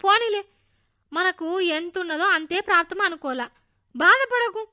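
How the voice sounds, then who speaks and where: A caring village mother with a Telangana accent, her voice pitched high and bright as she fusses and soothes, as a woman storyteller puts her on. She sounds loud and concerned. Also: a little slow, full character voice. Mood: soothing. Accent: Telangana Telugu. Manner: fussing, soothing.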